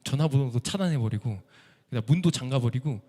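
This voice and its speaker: A man giving an emotional church testimony as a missionary violinist, telling his story with animated feeling. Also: mid-range voice, fast. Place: church sanctuary. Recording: echoey church hall.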